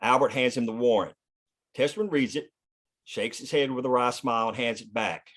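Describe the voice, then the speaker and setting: A man serves as narrator for a script read-through. He reads stage directions and scene headings in a mid-pitched voice. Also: fairly quick, fairly bright tone.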